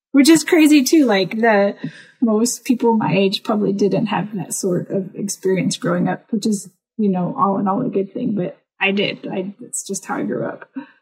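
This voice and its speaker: Here a woman speaks with a medium pitch. Her voice is somewhat breathy. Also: ordinary pitch variation, moderate pace. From southeastern Kentucky, Appalachia. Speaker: conservation biologist. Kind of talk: interview conversation.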